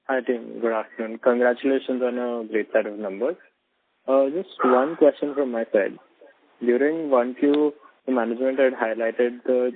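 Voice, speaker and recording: A man's voice: mid-range voice, no room sound. A man, an analyst asking direct, polite questions on an earnings call. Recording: dry tinny phone line.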